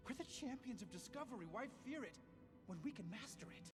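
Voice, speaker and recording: An eager young scientist. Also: male voice, very high voice, lively intonation, brisk. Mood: impassioned. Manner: eager, pleading. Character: earnest young male scientist, idealistic. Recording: reverberant clip over loud music.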